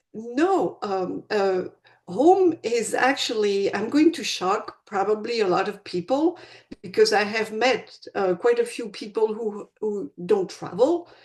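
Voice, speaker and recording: A woman talks at a very slow pace, her intonation lively. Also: fairly high pitch for a woman. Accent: French. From France. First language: French. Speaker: educator and intercultural consultant. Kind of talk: interview conversation. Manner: halting.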